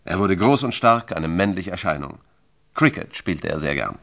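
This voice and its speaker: A man with a deep voice narrates a scripted biography. His pitch moves widely as he stresses phrases, giving a dramatic, solemn storytelling delivery. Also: expressive, moderate pace, gravelly, a bit bright.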